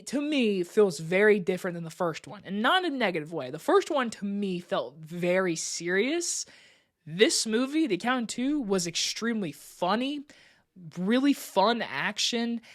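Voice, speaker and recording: Woman, lowish voice, congested and sniffly, chatty rambling film reviewer. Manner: rambling and chatty, with many "like" fillers. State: stuffy, congested voice from allergies. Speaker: movie reviewer. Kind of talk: casual spoken movie review.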